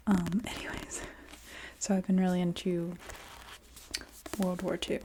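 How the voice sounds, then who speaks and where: Soft-spoken ASMR woman slipping into whispers. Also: lowish voice, flat delivery, unhurried, background noise. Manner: soft speaking that often drops into a whisper. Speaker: ASMR video creator. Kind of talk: soft-spoken ASMR, casual rambling chat.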